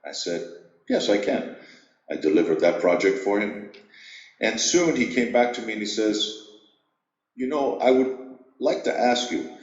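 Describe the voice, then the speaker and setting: A middle-aged man from Greece, an executive coach, telling his story at a measured, reflective pace in an interview. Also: lowish voice, reverberant, lo-fi sound.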